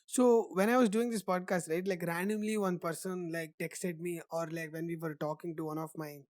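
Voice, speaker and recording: A man's voice: sits high, steady tone, moderate pace, a little mellow, no echo, clean studio sound. A young man hosting a podcast, answering questions in a casual, rambling way with lots of "like" fillers. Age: young adult. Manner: rambling, heavy use of "like" fillers. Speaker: podcast host. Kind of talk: casual conversational interview answers.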